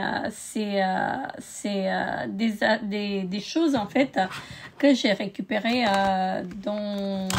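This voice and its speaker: A middle-aged woman, tired, chatting casually with many hesitations in a beauty haul video. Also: mid-range voice. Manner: hesitant, many euh fillers. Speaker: beauty vlogger.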